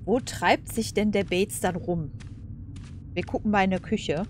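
A woman's voice: mid-range voice, a little slow, slight background noise. A woman giving casual, chatty let's play commentary, musing aloud as she plays. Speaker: gaming host.

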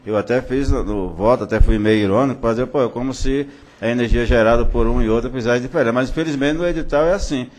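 A man's voice: mid-range voice, quick pace, a little mellow. A man with a Brazilian Portuguese accent, a regulatory board director arguing his case informally and insistently in a public meeting. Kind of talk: deliberative meeting discussion.

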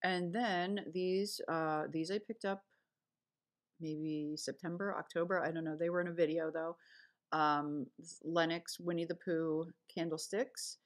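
A woman's voice: sits low, fairly even intonation, unhurried. A woman reseller casually recapping her recent sales over a screen recording, chatty and rambling with fillers and self-corrections. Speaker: online reseller.

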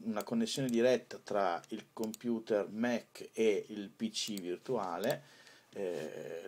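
A man presenting an informal software tutorial, improvising hesitantly with drawn-out pauses. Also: on the low side.

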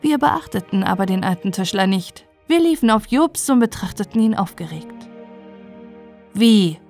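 A woman storyteller narrating a bedtime story in a calm, gentle way. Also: mid-range voice, moderate pace, soft background music.

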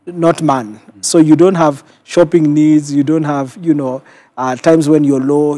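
A middle-aged man with a Kenyan accent, a pastor talking reflectively and in a measured way as an interview guest. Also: on the high side, mellow, dry recording. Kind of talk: conversational television interview, personal storytelling. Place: television studio. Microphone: lapel mic.

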